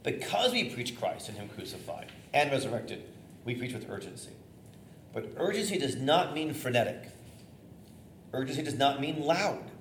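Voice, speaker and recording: A middle-aged man with a loud, theater-trained voice teaches a class on preaching, talking freely with plenty of restarts and fillers. His voice carries energy and sits at an ordinary pitch for a man. It sounds roomy and echoey, with a faint hiss behind it. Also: sing-song, moderate pace. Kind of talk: informal teaching talk on preaching. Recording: echoey room, faint noise.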